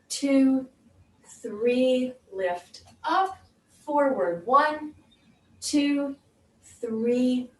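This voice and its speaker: A woman's voice: high voice, darkish tone. A woman fitness instructor leading an exercise class, giving step-by-step instructions and counted cues. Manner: clear step-by-step cueing. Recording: roomy echo, distant microphone.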